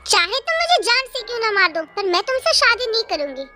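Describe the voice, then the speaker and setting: A performer with a high young voice plays a frightened captive young woman in a fan audio drama, pleading and defiant near tears. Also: very animated, fast talker, sharp tone, exaggerated voice. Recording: music bed under the voice.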